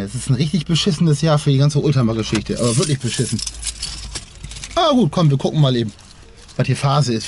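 A man's voice: medium pitch, a little mellow. A young man, chatting casually to the camera as a car vlogger, first while driving and then walking around a rainy car meet. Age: young adult. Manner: chatty, frequent tag questions "ne?". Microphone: handheld camera at arm's length. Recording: clear road and street noise behind.

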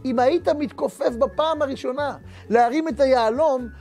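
A man voicing a hurried, wise father in a spoken parable, firm and instructive. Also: very high voice, darkish tone, faint music behind, pitched above the performer's own voice. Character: hurried, wise father teaching his son.

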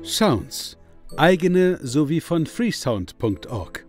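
Slow-paced, expressive male announcer. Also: on the high side, soft background music. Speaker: credits announcer. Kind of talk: scripted credits reading for an audio play.

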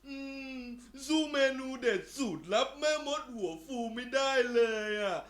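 A woman's voice: high voice, lively intonation, measured pace, reverberant. A woman voicing a lazy, greedy young beetle in a children's story, with a drawling, dismissive manner. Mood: fussy, dismissive.

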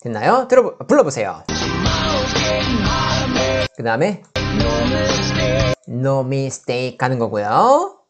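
A woman with a Korean accent, teaching the pronunciation of pop song lyrics. She says each phrase slowly and breaks it apart to show how the sounds join. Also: rumbling low, wildly swooping pitch, loud music behind the voice.

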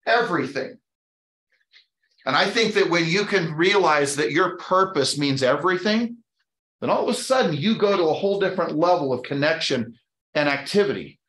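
A middle-aged American man speaks as a motivational sales trainer in an echoey room. His voice sits a little high for a man, and he talks emphatically but conversationally, often tossing questions at his listeners. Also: animated, moderate pace, fairly bright tone. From Utah, United States. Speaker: real estate sales trainer. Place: indoor training room with whiteboards.

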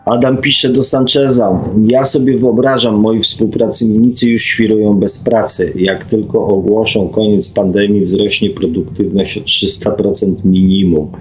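A middle-aged Polish radio host talks at a measured pace with few pauses, his fairly low voice keeping a fairly even intonation, on poor audio. Unscripted, he reflects and reads listener comments, sounding hesitant and often closing phrases with a questioning tag.

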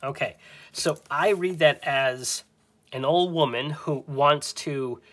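A man's voice: on the high side, slow, a bit bright. A man narrating a solo tabletop game as his own game master, thinking aloud and hesitating often.

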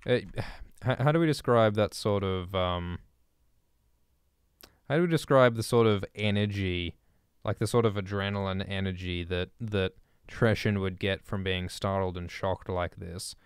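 A man's voice: low-pitched, a little slow, clear, resonant tone, no echo, clean studio sound. A man drafting a story live on stream, thinking aloud in a musing, hesitant way and correcting himself as he writes. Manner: musing, hesitant, frequent ums and self-corrections.

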